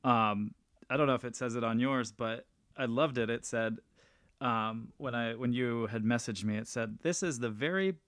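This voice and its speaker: A man's voice: mid-range voice, moderate pace, fairly bright tone, no echo, clean studio sound. A man hosting a podcast interview, chatty and enthusiastic, rambling with frequent restarts. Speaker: podcast host. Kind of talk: casual interview chat.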